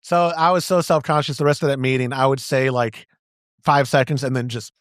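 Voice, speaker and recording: A man's voice: medium pitch, fairly even intonation, a little fast, no echo, studio quality. A man co-hosting a podcast, chatting casually and joking about himself, then reading a sponsor ad. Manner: jokey, self-mocking, breaks into silly sung bits. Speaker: podcast co-host. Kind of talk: casual banter and ad reads.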